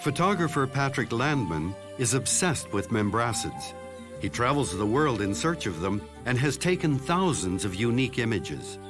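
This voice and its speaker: A man narrates a nature documentary with measured, explanatory phrasing. His medium-pitched voice moves through lively, varied intonation, with music clearly playing behind him.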